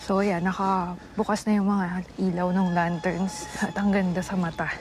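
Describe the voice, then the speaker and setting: Quiet and flat, a woman with a medium-pitched voice speaks fairly slowly at very even loudness, with room echo and music behind her. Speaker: travel vlogger. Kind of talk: travel vlog narration. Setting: outdoors. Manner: quieter, subdued.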